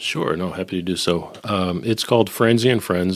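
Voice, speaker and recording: This is a normal speaking voice with an American accent. The intonation stays fairly even and the pace is moderate. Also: man. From Boston, US. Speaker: podcast host and audio engineer. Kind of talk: casual chat.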